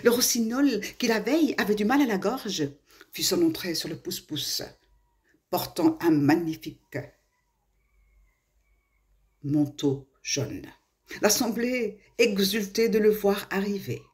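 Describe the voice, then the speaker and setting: A woman from Morocco telling a children's tale expressively, with dramatic pauses and hushed phrases. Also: mid-range voice. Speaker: storyteller.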